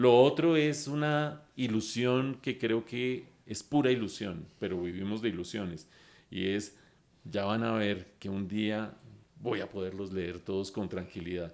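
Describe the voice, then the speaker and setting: Here a man with a plain, everyday voice and a fairly low pitch talks at a fairly slow pace with lively intonation. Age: 60s. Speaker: economist. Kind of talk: casual chat.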